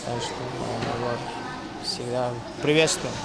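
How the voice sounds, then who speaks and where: A man, a martial arts coach in a training gym, calling out counts and short commands to his fighters and answering interview questions with hesitant pauses. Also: mid-range voice, fairly even intonation, gravelly, heavy background noise.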